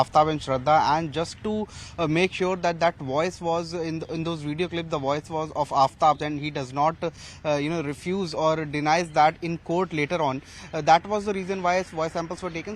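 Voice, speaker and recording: A man gives a live field report in Indian English. His voice is notably high for a man, and he speaks haltingly, repeating phrases. Faint outdoor city noise sits behind him. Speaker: news reporter.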